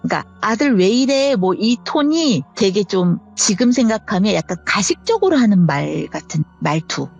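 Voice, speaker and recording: Lively, gravelly woman telling a horror story. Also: mid-range voice, normal speed, hardly any pauses, muffled recording, faint music behind. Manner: conversational, acts out the voices of the people in her story.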